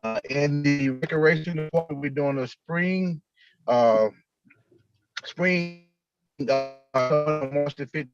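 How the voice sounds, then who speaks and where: A man's voice: fairly high pitch, slow, pauses often, music in the background. Man, remote caller, choppy breaking-up call audio, dull lo-fi line, hesitant with fillers, department update. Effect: choppy breaking-up video call audio. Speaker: city department director giving an update. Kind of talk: city meeting report. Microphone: remote video call.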